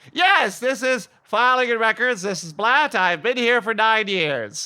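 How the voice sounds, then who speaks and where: A put-on character voice with a fairly high pitch at a fairly slow pace. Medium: actual play. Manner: prim, polite, bureaucratic.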